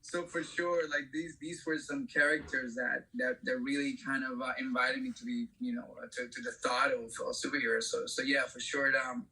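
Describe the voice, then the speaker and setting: A middle-aged man from Venezuela, an actor speaking as a panel guest in a halting way, with many fillers. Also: mid-range voice, lively intonation, creaky, sharp tone, husky, poor audio. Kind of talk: panel discussion.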